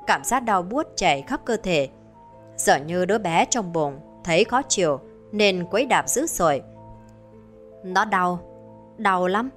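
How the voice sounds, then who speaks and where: Grave woman storyteller over soft music. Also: lowish voice. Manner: measured, grave telling. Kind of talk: scripted horror narration. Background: faint music.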